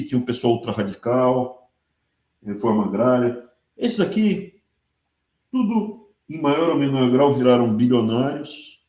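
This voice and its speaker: A man with a Brazilian Portuguese accent giving a sarcastic, lively political commentary monologue as a channel host. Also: medium pitch. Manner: sarcastic, lively, talks with colloquial asides. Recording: echoey room.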